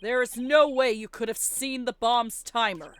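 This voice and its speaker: A woman's voice: on the high side, measured pace, clean tone. A woman hosting a let's play, reading video game dialogue aloud and chatting casually. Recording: game music behind. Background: video game music.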